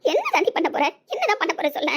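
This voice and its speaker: A woman playing an anguished middle-aged mother in a family web drama, swinging between pleading and scolding. Her voice sits a little high and the words pour out fast. The delivery is emotional and pressing. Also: fairly even intonation, natural voice. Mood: desperate. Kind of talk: Tamil web-series acting.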